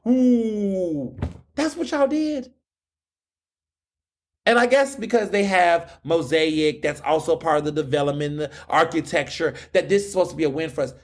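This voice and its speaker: A young man from Houston hosting his podcast, ranting in a fiery, sarcastic monologue full of rhetorical questions. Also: high-pitched. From Houston, Texas. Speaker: podcast host. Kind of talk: opinion monologue.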